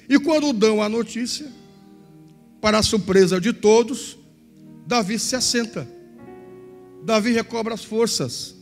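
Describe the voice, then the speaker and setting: Animated Southern Brazilian pastor preaching. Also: male voice, sits high. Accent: Southern Brazilian Portuguese. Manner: animated storytelling, voices others in quotes. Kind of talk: sermon with acted-out anecdotes. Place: large church hall. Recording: echoey church hall with faint music.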